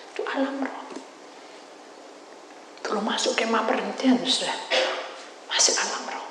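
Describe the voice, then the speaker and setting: Woman pastor, dramatic testimony sermon, whispers to shouts, booming reverb, faint hiss. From Indonesia. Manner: dramatic storytelling, swings between loud cries and whispers. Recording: echoey hall with long reverb, faint noise.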